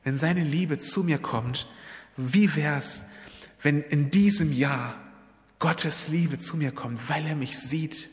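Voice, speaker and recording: A man's voice: fairly high pitch, slow. Earnest male preacher in a reverberant hall. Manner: earnest, storytelling, personal appeals. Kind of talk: sermon.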